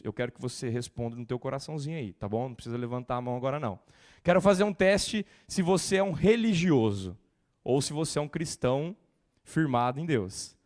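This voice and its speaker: A male pastor preaching a sermon in a lively way, mimicking complaining churchgoers. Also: a little high.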